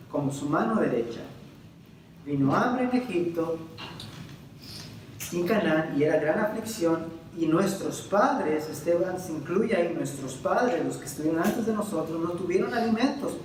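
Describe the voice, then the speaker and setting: A Puerto Rican man teaching a Bible lesson like a sermon, his somewhat high voice rising into loud stresses and sinking into slow, drawn-out words. He puts questions straight to his listeners. He is recorded from some distance in a very echoey room, with faint noise underneath. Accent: Puerto Rican Spanish. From Puerto Rico. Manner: addresses the audience directly with questions. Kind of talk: Bible class lecture, preaching style.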